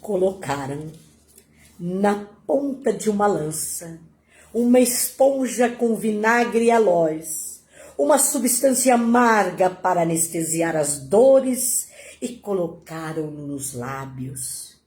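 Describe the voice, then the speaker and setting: A woman telling a devotional story in a slow, dramatic, emotional way. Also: mid-range voice, expressive, darkish tone. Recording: roomy echo.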